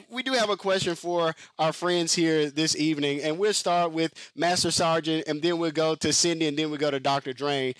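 Polite man moderator, higher voice. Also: a bit bright, no echo, poor audio. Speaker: co-host. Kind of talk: video call panel moderating. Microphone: headset.

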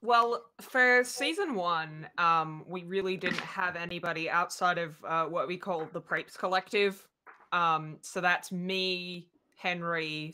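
Bright-voiced woman chatting on a panel. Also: fairly low pitch, clear, resonant tone. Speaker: panelist, podcast writer. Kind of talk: casual explanatory panel talk. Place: indoor room at home, video call.

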